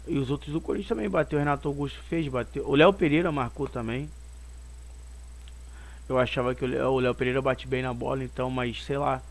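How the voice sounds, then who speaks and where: Brief: hoarse Brazilian man with a cold, mid-pitched, opinionated football channel host who rambles and restarts. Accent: Brazilian Portuguese. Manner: rambling and opinionated, circles back on his points. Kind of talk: casual football commentary.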